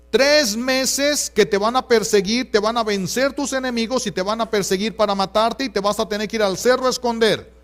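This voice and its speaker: Man, Catholic priest, Mexican Spanish accent, earnest pastoral sermon, high voice, repeats phrases for emphasis. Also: fairly bright tone.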